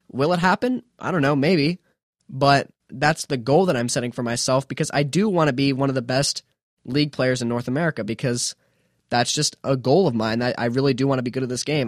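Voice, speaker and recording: A young man talks alone on his podcast in a loose, chatty way, circling back and restarting his sentences. He pokes fun at himself. His voice sits at an ordinary pitch and is recorded dry and close, with no room sound. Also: no echo. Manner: chatty, self-mocking, rambling with restarts. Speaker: podcast host. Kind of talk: casual solo podcast talk.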